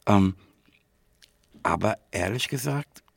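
A man with a German accent chatting casually as a podcast co-host, thinking aloud haltingly and often adding little tag questions. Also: on the low side, expressive, vocal fry, breathy edge, no room sound.

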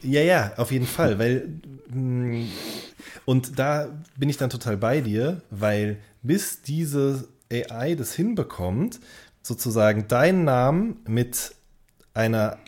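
A man's voice: mid-range voice, a little mellow, slightly rough. A man in casual podcast chat as co-host, explaining things while thinking aloud and rephrasing hesitantly.

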